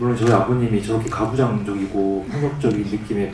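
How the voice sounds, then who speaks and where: A man speaks with a slight Daegu accent. Audible room echo and noticeable background noise surround his voice. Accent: slight Gyeongsang (Daegu) dialect. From Daegu, South Korea. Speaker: film director. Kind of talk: press conference Q&A. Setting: press screening event.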